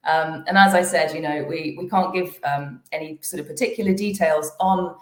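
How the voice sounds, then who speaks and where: A woman with a notably low voice talks investors through company results, pausing often with fillers and restarts. She sounds a little hoarse, as if losing her voice. The sound is roomy and echoey, like a video call from an untreated room. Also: fairly even intonation. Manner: hesitant, many fillers and restarts. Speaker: company executive presenting to investors. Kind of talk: investor presentation and Q&A.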